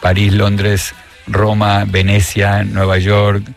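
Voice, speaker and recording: A man with an Argentine accent, a guest on a radio show, talking in a reflective, measured way with frequent pauses and restarts. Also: fairly low pitch, completely flat delivery, vocal fry, faint music behind. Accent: Argentine Spanish. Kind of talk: relaxed radio conversation.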